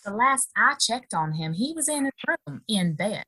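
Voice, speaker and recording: A woman playing a loyal, quietly defiant saloon bartender in a Western audio play, speaking in a guarded way. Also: a little high, very animated, breathy edge, exaggerated voice, low-quality recording. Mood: defensive. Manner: measured, guarded, sighing.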